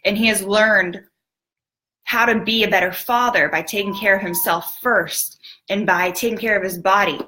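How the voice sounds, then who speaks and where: A woman giving a motivational talk, telling a story in an animated way and speaking earnestly to the audience. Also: medium pitch, moderate pace, low-quality recording. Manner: animated storyteller who acts out quotes; earnest, direct appeals to the audience.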